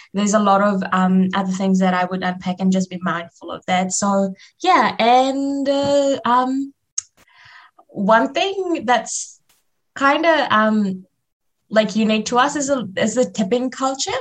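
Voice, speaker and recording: Young woman with a Fiji Indian accent. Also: medium pitch. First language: Fiji Hindi. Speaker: interview guest. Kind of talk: personal talk in a radio interview.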